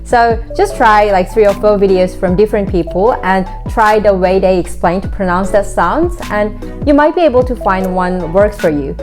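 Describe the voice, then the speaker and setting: A young woman with a Korean accent, a Korean native speaker, giving relaxed conversational tips in a vlog, often using "like" as a filler. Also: mid-range voice, normal speed. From South Korea. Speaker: vlogger. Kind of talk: casual talking-to-camera tips. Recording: background music.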